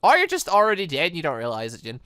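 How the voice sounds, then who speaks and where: A gaming channel host giving animated, exclamatory playthrough commentary with rambling asides. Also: mid-range voice, very fast, clear, resonant tone, dry recording, clean studio sound. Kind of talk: playthrough commentary mixed with reading game dialogue aloud.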